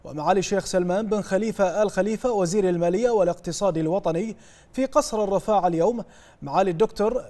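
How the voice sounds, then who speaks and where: A man reading a formal news report as a news reader, in a measured broadcast delivery. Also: sits high, warm tone. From Bahrain.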